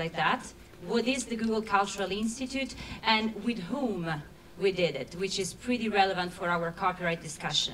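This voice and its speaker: With an Italian accent, a woman of medium pitch talks at a moderate pace with ordinary pitch variation, amid noticeable background noise and audible room echo. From southern Italy, Naples. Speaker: public policy head, former lawyer. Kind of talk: conference talk. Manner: halting, many fillers.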